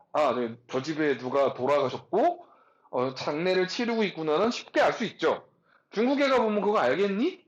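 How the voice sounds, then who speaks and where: A man giving a recorded lecture, talking in an animated, chatty way with rhetorical questions and asides. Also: sits high, lo-fi sound.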